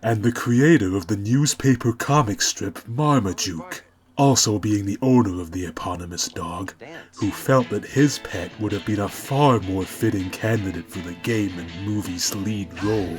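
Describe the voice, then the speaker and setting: A man reading a mock-epic scripted story as narrator, in a pompous, grandiose, deadpan manner. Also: on the low side, normal speed, faint music behind.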